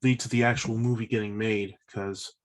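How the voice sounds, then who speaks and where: A man in his thirties chatting casually on a video call, halting and often repeating himself. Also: fairly low pitch, little pitch movement. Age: 30s. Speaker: participant in a virtual table read. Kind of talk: casual chat before a script read.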